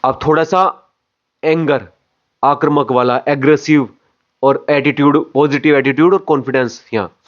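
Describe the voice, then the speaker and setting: A man's voice: on the high side, fairly even intonation, normal speed, muffled recording. A man coaching acting, explaining phrase by phrase and repeating words for emphasis. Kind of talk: explanatory lesson on voice modulation.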